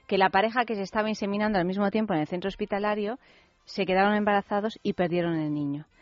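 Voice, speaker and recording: Music plays in the background. A woman is talking over it. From Italy. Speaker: radio host. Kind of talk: casual chat.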